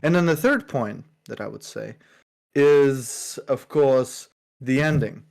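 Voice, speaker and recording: A man co-hosting a podcast, giving a thoughtful, measured review of a story with casual fillers. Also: medium pitch, expressive, creaky, a little mellow. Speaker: podcast co-host. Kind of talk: casual book discussion.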